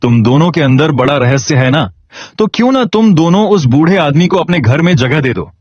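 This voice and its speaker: A man voicing a sly, teasing old martial-arts elder who speaks in smug, drawn-out remarks. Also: fairly high pitch, expressive, a little mellow, slightly rough, no room sound, highs cut off.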